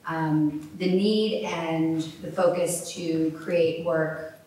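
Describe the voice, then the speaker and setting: A young woman from Connecticut answers a panel question openly and earnestly, her voice a touch low. She sounds distant from the mic, and the hall around her rings with heavy echo. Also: steady tone, drawn-out words, darkish tone. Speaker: panelist, recent acting graduate. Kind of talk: panel discussion. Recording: echoey hall, mic far off.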